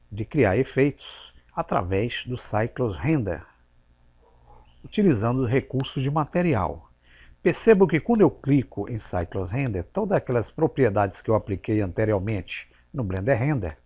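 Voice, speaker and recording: Patient man teaching software. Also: medium pitch. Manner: patient step-by-step explanation, casual asides. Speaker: software tutorial instructor. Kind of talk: screen-recorded software tutorial.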